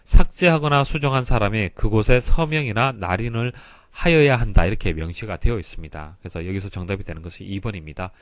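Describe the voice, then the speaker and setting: A man's voice: on the low side, brisk, few pauses, dry recording. A man giving an explanatory exam prep lecture in a didactic way, stressing key terms and explaining politely. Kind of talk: explanatory lecture, reading and solving exam questions.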